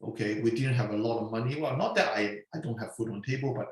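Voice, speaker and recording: A man in his forties who grew up in Hong Kong, telling his story as an interview guest in a halting way, with many "okay" and "um" fillers. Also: medium pitch. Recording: very echoey room.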